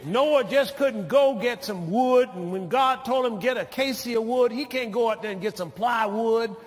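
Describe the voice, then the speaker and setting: High-voiced older preacher in a reverberant church. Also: male voice. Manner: slow, deliberate teaching that builds to shouted preaching with calls for amen. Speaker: pastor. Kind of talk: sermon. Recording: long hall reverb of a church.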